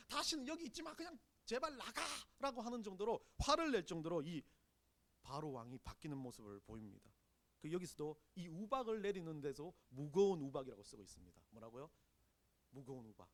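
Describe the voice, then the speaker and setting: A man preaching a sermon as pastor, emphatic, asking rhetorical questions and acting out quotes. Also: on the high side.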